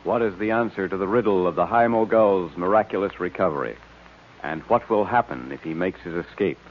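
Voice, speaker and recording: A man delivers a lively, persuasive 1940s radio announcement. His voice is slightly husky and swings widely in pitch. It comes through as a thin, tinny old radio broadcast.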